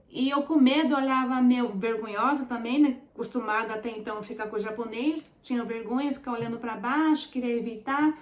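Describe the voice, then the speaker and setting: A woman's voice: fairly high pitch, roomy sound. A Brazilian woman in her forties with a Brazilian Portuguese accent, casually telling her story to viewers, chatty and full of fillers. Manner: chatty, addresses viewers as "gente", many fillers. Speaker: vlogger.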